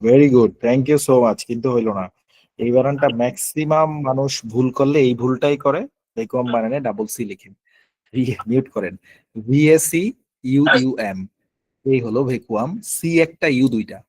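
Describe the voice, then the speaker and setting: A man's voice: mid-range voice, brisk, darkish tone, no echo. Man, online quiz teacher, spells letter by letter, dry recording. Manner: counts down and spells words letter by letter; patient, explanatory. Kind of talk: live online class, calling on students.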